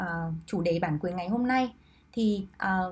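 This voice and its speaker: Her voice is somewhat breathy and medium in pitch. The woman speaks fairly slowly with lively intonation. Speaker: partner marketing staff hosting a workshop. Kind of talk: online workshop presentation.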